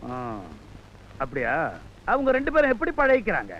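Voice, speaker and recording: An actor playing a brisk police officer questioning a subordinate. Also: male voice, extremely high pitch, wildly swooping pitch, exaggerated voice. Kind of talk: 1980s Tamil film dialogue. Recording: muffled noisy film track.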